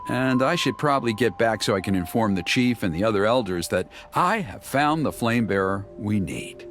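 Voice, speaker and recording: An actor playing a dignified, resolute tribal official in a video game, speaking in a measured, formal and earnest way. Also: male voice, on the low side, animated, fairly bright tone, soft background music. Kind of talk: video game character dialogue.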